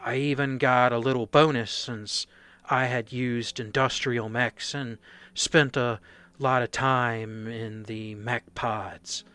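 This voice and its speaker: A man playing a shaken, nervous mercenary foot soldier who gives halting, stammering testimony in a radio play. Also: mid-range voice, fairly even intonation, bright, forceful tone, clean tone, no echo. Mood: haunted recollection. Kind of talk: radio play dramatic monologue.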